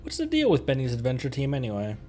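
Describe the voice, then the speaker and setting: Male streamer, playful and rambling, medium pitch with lively swings, light game music underneath. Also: quick pace. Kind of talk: casual game livestream chat, reading dialogue aloud. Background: faint game music.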